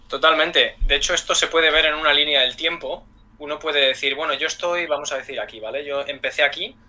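A man talks at a very fast pace in a fairly high pitch. His tone is bright and sharp. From Spain, Madrid. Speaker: motivational coach and engineer. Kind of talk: interview about healthy habits.

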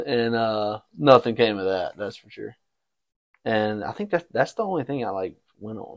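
A man in a Southern US accent at a moderate pace, medium in pitch with ordinary variation and big swings in loudness. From Mississippi. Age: 20s. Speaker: podcast co-host. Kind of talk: casual chat. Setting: outdoor covered porch. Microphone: new microphone.

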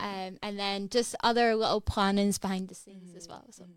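A woman speaks with a Scottish accent and ordinary pitch variation. The recording is very clean, with a silent background. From Scotland. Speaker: support worker. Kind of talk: casual interview. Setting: studio.

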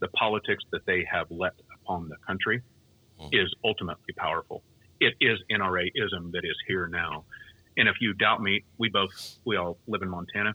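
Moderately paced male speech, fairly low in pitch. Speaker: author. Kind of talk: casual interview chat. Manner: animated in conversation, monotone when reading.

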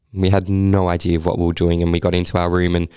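Over a silent background in a very clean recording, a man with an Australian accent speaks in a very deep, low voice, dark and mellow in tone, with monotone, flat intonation. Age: 20s. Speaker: army recruit. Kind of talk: casual chat.

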